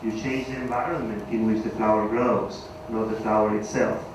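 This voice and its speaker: A Venezuelan man speaking English with a Spanish accent gives remarks at a conference, hesitant and self-deprecating. His voice sits well back from the mic and rings around a large echoey hall. A steady background hiss runs under it. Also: lowish voice, moderate pace, recorded from a distance. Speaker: conference panelist.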